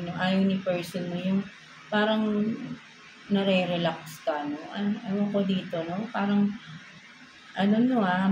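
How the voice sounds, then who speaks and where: A woman's voice: mid-range voice, dull audio. A woman with a Filipino accent giving a casual tarot reading, code-switching and ending most phrases with a questioning "no?". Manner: code-switching, frequent tag "no?". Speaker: tarot reader. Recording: echoey room with noise.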